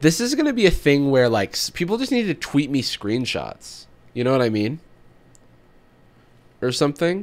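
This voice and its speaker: A man's lively intonation at a moderate pace. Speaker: livestreamer. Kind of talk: commentary. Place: home room. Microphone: studio mic.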